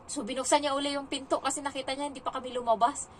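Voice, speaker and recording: A woman's voice: sits high, flat delivery, rapid-fire, distant mic, slight background noise, low-quality recording. A young woman from the Philippines, a domestic helper, chatting casually in a vlog and retelling her day with lots of fillers.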